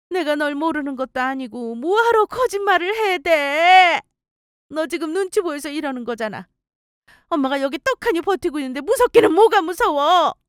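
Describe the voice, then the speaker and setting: A woman doing a shrill nagging mother-in-law. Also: no echo, clean studio sound. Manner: shrill, scolding, self-righteous. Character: nagging meddlesome middle-aged mother-in-law. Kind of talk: story radio acting.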